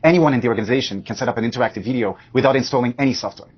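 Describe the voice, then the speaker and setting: A man's voice: medium pitch, racing, slightly rough, highs cut off. A man speaking as a company executive, reading prepared earnings call remarks in a businesslike manner.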